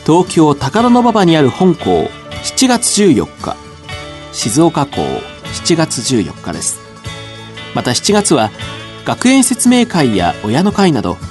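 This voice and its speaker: A man announcing in a scripted radio program, reading in a clear, measured way. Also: fairly high pitch, wildly swooping pitch, a little mellow, faint music behind.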